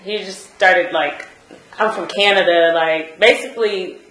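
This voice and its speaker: A woman's voice: fairly low pitch, a little slow, fairly bright tone, echoey room, poor audio. A woman giving hesitant courtroom testimony, full of fillers and restarts. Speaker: trial witness.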